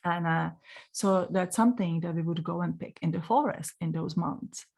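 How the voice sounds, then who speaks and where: A woman in her forties with a Czech accent, telling a personal story in a gentle, unhurried way and speaking directly to the listener. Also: lowish voice, creaky. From Czech Republic. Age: 40s. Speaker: spiritual channeler.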